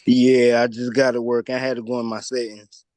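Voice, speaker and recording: An American man with a dark, mellow voice of middling pitch chats casually on an online call. His speech is African American Vernacular English. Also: level tone, moderate pace.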